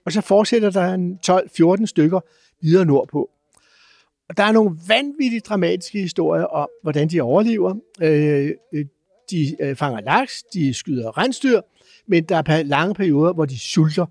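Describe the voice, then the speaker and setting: Man, high voice, dry close sound, animated storyteller, lots of hesitations. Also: dry recording. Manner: halting, many filler sounds; lively, acts out chants and sounds. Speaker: guest explorer.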